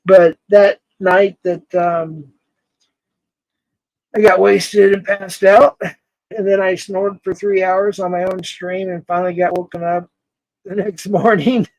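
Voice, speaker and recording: A man's voice: high-pitched, level tone, slow, a little mellow, dry recording, rough recording. A man in his forties hosting a casual livestream, rambling, laughing often and greeting chat viewers by name. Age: 40s. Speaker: livestream host.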